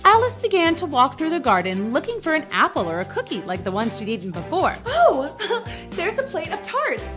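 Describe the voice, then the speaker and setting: High, very animated woman storyteller. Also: moderate pace, music in the background. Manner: perky, exaggerated. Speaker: children's storyteller. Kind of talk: animated first-person storybook narration, playing a young girl.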